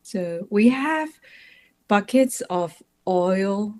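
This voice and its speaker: A woman's voice: mid-range voice, expressive, very slow, a little mellow. A woman improvising a cheeky painter with a sly, drawling delivery. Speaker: improv performer.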